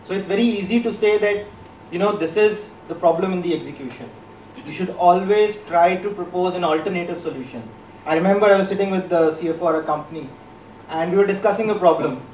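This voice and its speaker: A man explaining his thinking in a group discussion, in a measured, reflective way. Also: high voice, darkish tone, highs cut off, a little hiss or hum. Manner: measured, explanatory, slows on key points. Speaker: discussion participant. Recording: echoey room, distant mic, faint background.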